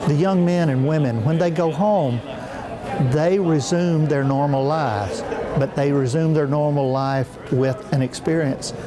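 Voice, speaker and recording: A man's voice: on the high side, a little slow, a crowd in the background. A man speaking steadily and sincerely in an interview testimonial. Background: music.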